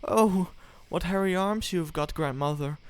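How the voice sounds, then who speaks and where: A man voicing an innocent, chatty little girl in a red hood, with a high, lilting childlike voice and small stammers, in a storybook read-aloud. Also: measured pace, smooth, dry recording.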